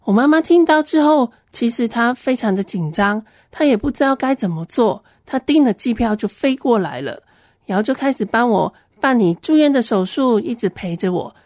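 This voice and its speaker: Woman, high-pitched, dry recording, earnest personal testimony. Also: animated, normal speed, darkish tone, no echo. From Hong Kong. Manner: earnest, plain storytelling. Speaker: Christian ministry worker giving a testimony.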